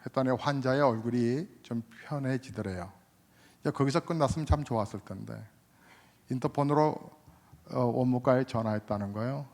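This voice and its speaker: A man's voice: medium pitch, moderate pace, darkish tone. Korean male pastor preaching in an echoing church. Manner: conversational preaching with frequent "어" fillers, acting out quoted people. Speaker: senior pastor. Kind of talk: sermon. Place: church sanctuary. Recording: long church reverb.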